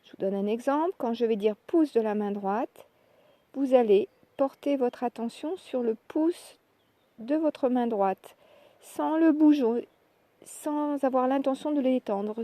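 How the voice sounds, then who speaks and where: Slow, mellow woman guiding relaxation. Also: high-pitched, no room sound. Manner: calm, measured, short phrases with pauses. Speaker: yoga nidra relaxation instructor. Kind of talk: guided meditation, soft instructional narration.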